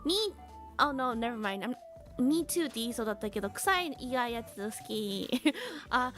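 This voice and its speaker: A woman live streamer chatting casually and switching between languages. She speaks slow, simple English for learners and reads out viewers' names in an upbeat, giggly way. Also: a little high, expressive, fairly bright tone, faint music behind.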